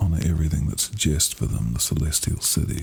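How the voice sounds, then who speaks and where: There is noticeable background noise behind a man whose pitch is very deep and low. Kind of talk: sleep story. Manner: soft-spoken, slow.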